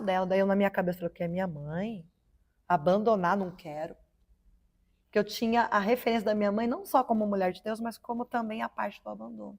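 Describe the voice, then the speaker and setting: A woman is speaking. Her intonation is lively. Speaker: missionary giving testimony. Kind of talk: testimony. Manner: animated.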